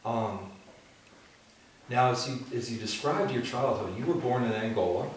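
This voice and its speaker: A man's voice: medium pitch, moderate pace. A man hosting a Christian testimony interview, who prays aloud, laughs easily and often restarts his sentences. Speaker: host interviewing a guest. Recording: echoey room, distant mic, background noise.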